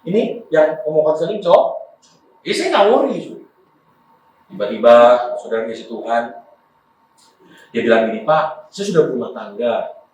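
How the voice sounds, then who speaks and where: A man's voice: mid-range voice, expressive, normal speed, pauses often, darkish tone, slight background noise. A male pastor from Indonesia preaching a sermon, telling personal stories and often calling out to the congregation. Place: church. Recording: echoey church hall from far off.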